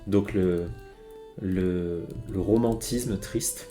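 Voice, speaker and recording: Man, live-stream language lesson, hesitant and halting, lowish voice, faint background music. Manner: hesitant, many fillers and restarts. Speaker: Japanese teacher. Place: home streaming setup.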